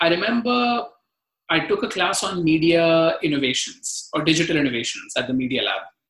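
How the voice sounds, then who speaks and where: A man with a high pitch and a bright, sharp tone talks at a moderate pace with lively intonation. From India (Mumbai). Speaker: arts entrepreneur. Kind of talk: interview.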